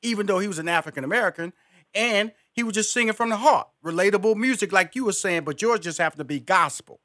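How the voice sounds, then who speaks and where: A man's voice: high-pitched, fast, sharp tone, dry recording, studio quality. A man hosting a radio interview, enthusiastic and given to repeating words as he starts a thought. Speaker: interview host.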